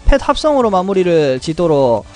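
A high-voiced young man calls out his game draws with big swings in pitch. He chants and shouts when the results go his way. Faint music plays under him. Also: fairly quick. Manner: animated, chants and shouts at good pulls. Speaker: game streamer. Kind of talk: excited gacha pull commentary.

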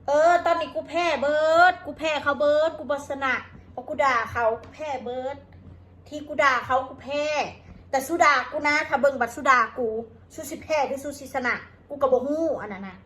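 Woman, Isan accent, high voice, coarse, cursing, combative rant to viewers. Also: fairly quick, a bit bright. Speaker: vlogger.

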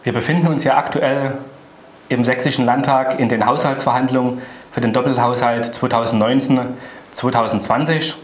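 A middle-aged man presents politics to camera as a party spokesman. His delivery is emphatic and indignant, at an average pitch. The room adds a clear echo. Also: steady tone, moderate pace.

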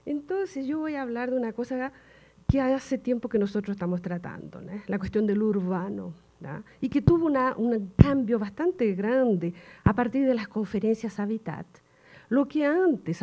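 An older woman with a Chilean Spanish accent tinged by Portuguese, giving a relaxed academic lecture from a table mic in a university auditorium, often tagging her sentences with a questioning "no". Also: mid-range voice, moderate pace. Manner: relaxed, chatty, tags sentences with "¿no?". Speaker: guest lecturer.

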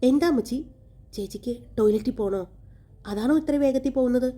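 A woman narrator voicing a cheeky, sharp-tongued young woman who teases and mocks. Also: a little high, fast, faint music behind, natural voice. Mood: mocking. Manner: teasing, mocking.

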